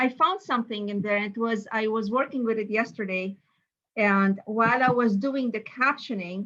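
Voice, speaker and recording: A woman speaks at a fairly slow pace, fairly high in pitch. Her tone is bright and sharp, with ordinary pitch variation. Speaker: instructor attending a training; instructor or course designer. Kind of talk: webinar Q&A. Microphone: video call.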